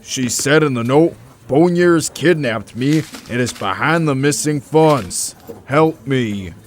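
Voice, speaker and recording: A man's voice: medium pitch, expressive, takes it slowly, a little hiss or hum. A man playing a nervous, hesitant friend of a doctor in an audio drama, speaking informally. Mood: anxious.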